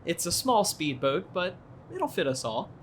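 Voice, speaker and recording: A young small-town local, played by an actor in an audio drama, friendly but worried. The voice is mid-pitched and moves up and down a lot in earnest, conversational speech. There is ambient noise faintly behind it. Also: big pitch swings, measured pace. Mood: matter-of-fact. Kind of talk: naturalistic audio drama acting.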